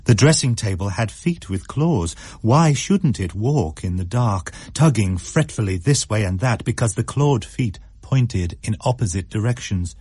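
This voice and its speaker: A man narrating a spooky story in a measured, suspenseful way. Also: on the low side, animated, warm tone, husky, dry recording, clean studio sound.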